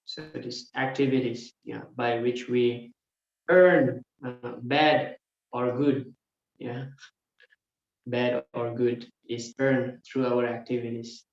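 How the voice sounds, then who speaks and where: A man's voice: mid-range voice, fairly even intonation, takes it slowly. Guy giving a scripture talk, lots of yeah and uh, super echoey room, dull muffled sound. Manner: explanatory, peppered with "yeah" and "uh". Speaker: scripture class teacher. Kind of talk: scripture lecture.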